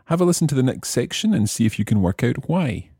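A man's voice: mid-range voice, sing-song, a little fast, dark tone, husky, no room sound, clean studio sound. A man hosting a language lesson, explaining and repeating phrases for learners in scripted teaching narration.

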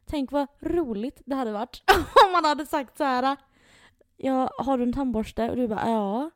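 A woman's voice: high-pitched, fairly bright tone, dry recording, studio quality. A young woman hosting a podcast in frank, casual chat, often laughing. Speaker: podcast host.

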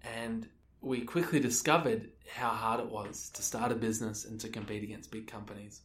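A man's voice: fairly low pitch, fairly even intonation, normal speed, a bit bright. A thirty-year-old Australian man giving casual, informal answers as an interview guest. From Melbourne, Australia. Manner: informal, conversational, peppered with "like" and "you know". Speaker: interview guest, social enterprise co-founder. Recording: echoey room, distant from the mic.

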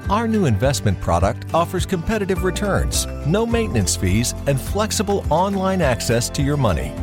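A man's voice: on the high side, very animated, normal speed. A man reading a scripted commercial as an announcer. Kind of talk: scripted advertising narration. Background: music bed.

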